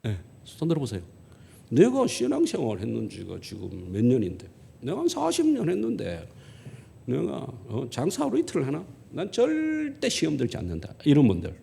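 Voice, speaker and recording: A man's voice: medium pitch, normal speed, creaky. An older man with a Gyeongsang accent preaching a sermon as a pastor, telling stories and acting out conversations in dialect. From South Korea. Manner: lively storytelling, acting out dialogue in dialect. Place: church sanctuary. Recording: long church hall reverb.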